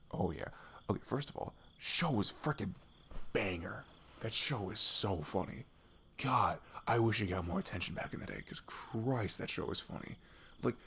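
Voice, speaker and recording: Casting: man to play affectionate male best friend for intimate ASMR roleplay; lowish, gravelly-edged soft voice, halting and tender. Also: slight background noise. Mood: amused, chatty. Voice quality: soft, breathy, often dropping to a whisper. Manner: hesitant, halting, chatty and tender.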